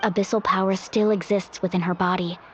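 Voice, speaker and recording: A woman's voice: mid-range voice, steady tone, fairly quick, slight background noise, natural voice. A woman voicing a cheerful, easygoing young tribal guide in an anime video game, breezy and friendly. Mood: earnest. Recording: muffled game audio under music.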